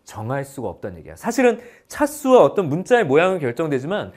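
A man teaching math in an online lecture, animated and playful, mixing polite and casual speech as he addresses his students. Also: a little high, quick pace.

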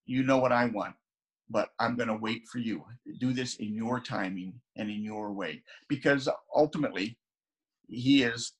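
An older pastor in his sixties gives an earnest, chatty sermon, his voice gravelly and a little husky. He speaks at a middle pitch to a camera set at desk distance in his sunroom at home. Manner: earnest, conversational, with frequent restarts.

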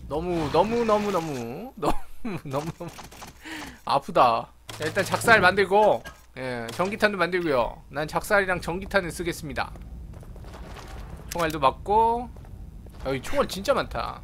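A man's voice: sits high, moderate pace, slight background noise. A man playing a horror game and commenting, greeting his viewers and yelping at sudden attacks. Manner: excitable, yelps and shouts at the game; chats with viewers. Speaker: game streamer. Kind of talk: Let's Play commentary.

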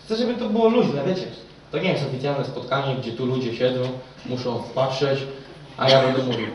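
A young man preaching a sermon to a live audience in a church hall, swinging between loud excited storytelling and hushed, intimate passages. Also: medium pitch, a little fast, a crowd in the background. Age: young adult. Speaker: evangelist preacher. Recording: very echoey hall, speaker far from mic.

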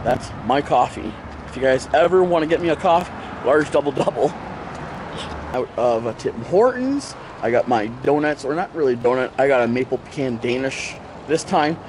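Background noise sits under this man's expressive, medium-pitched voice as he speaks at normal speed. A vlogger with a cold, he chats casually to the action camera held at arm's length, rambling with many fillers through his bedroom, outdoor streets and a store.

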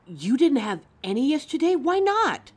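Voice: high-pitched, sing-song, normal speed. A performer playing a caring, anxious young werewolf partner in a roleplay audio drama, tender and fussing, stammering when flustered. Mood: worried, insistent.

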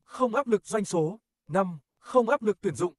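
A man's voice: high voice, lively intonation, measured pace, no room sound. A man reading scripted promotional narration as an advertisement narrator.

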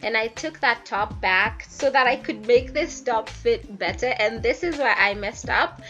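A young woman with the flu, her voice raspy and hoarse, narrating a sewing tutorial in a chatty, playful way and talking straight to her viewers. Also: fairly high pitch, unhurried. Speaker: DIY fashion YouTuber. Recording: slightly dull audio with soft background music.

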